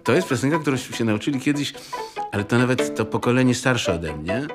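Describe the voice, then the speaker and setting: An older man recalling his past in a halting, digressive way, often checking for agreement. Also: medium pitch, lively intonation, music in the background. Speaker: interviewee, former youth group member. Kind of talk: spoken reminiscence in a documentary.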